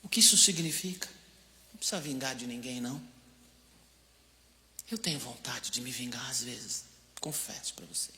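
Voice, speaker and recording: In a church hall, a Brazilian pastor delivers a storytelling sermon, swinging between hushed asides and loud outbursts. He speaks with a Brazilian Portuguese accent in a medium-pitched voice at normal speed, pausing often.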